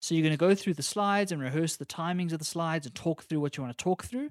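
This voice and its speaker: A man's high-pitched voice with lively intonation, in a dry, close sound with no echo. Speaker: podcast co-host. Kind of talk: casual chat. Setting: video call recorded for YouTube. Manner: fast talker.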